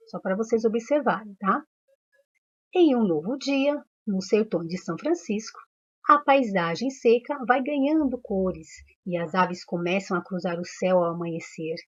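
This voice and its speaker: Female primary teacher, Brazilian Portuguese accent, patient step-by-step explainer, muffled recording. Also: medium pitch. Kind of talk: recorded class lesson.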